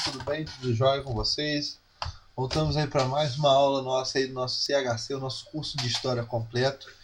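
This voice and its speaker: A man speaks quietly. There is audible room echo. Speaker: history teacher. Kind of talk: lecture. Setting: home at night. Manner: speaking quietly.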